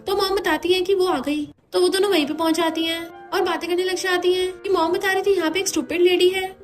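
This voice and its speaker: A woman casually retelling a drama plot in a quick, chatty way. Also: extremely high pitch. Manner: quick, chatty retelling with mixed English words. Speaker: drama recap narrator.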